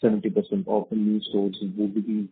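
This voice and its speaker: A man's voice: fairly low pitch, monotone, a little fast, breathy edge. A man putting an analyst's question on a business conference call over the phone. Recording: narrow muffled phone line.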